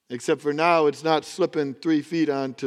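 A man with an American accent and an ordinary speaking voice, moderate pace, fairly even intonation, quiet background. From Chicago, US Midwest. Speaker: pastor. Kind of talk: sermon.

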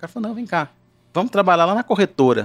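A man talks with lively intonation. The recording is very clean with a silent background, and the sound is dry and close with no echo. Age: 40s. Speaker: technology executive. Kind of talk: casual interview.

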